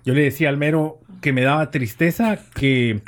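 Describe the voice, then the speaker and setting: A man's voice: fairly high pitch, normal speed. A middle-aged man chatting casually with friends in blunt, opinionated, profane slang.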